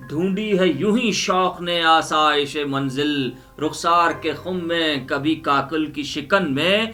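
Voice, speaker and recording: A man's voice: on the high side, pushed and bright. A man giving a dramatic, emphatic poetry recitation and explanation, repeating lines for effect. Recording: music under the voice. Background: music.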